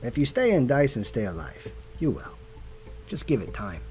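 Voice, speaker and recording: A man's voice: medium pitch, huge pitch swings, moderate pace, darkish tone, soft background music. A man playing a wisecracking noir detective. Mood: wry. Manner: dry, wisecracking, confident. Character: wisecracking male noir detective, street-smart. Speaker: private investigator. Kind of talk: audio drama acting.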